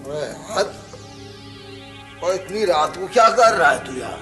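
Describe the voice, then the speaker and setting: An actor with a Pakistani accent playing a proud, stubborn landowner in a television drama, indignant and emphatic. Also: male voice, fairly high pitch, lively intonation, measured pace, fairly bright tone. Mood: startled annoyance. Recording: old TV drama soundtrack with music.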